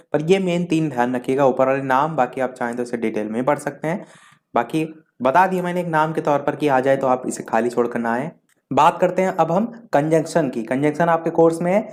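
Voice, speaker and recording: A man teaching an exam-prep English grammar lesson, explaining in Hindi and reading English definitions slowly. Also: on the high side, a little mellow.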